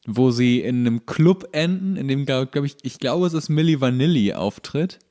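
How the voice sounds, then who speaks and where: A man co-hosting a podcast chats casually and explains film trivia, voicing firm opinions as he goes. His voice is medium-pitched and mellow, animated, and at a normal speed.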